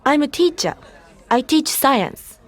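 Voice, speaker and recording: A woman voicing a polite young woman introducing herself in a scripted practice dialogue, with a clear, polite manner. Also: sits high, lively intonation, takes it slowly.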